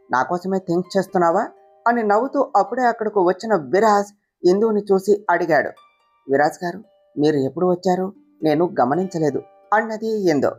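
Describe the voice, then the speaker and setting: Woman reading out a love story, soft guitar music behind her. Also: medium pitch. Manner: reads every part in her own voice. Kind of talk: reading a romance story aloud.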